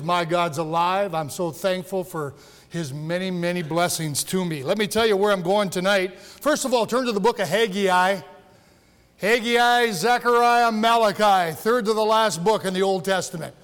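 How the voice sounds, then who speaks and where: A man's voice: high-pitched, moderate pace, fairly bright tone, big-room sound. A man in his sixties from Michigan, a longtime pastor preaching a sermon in a church in a folksy, joking way with many restarts. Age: 60s. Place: church sanctuary.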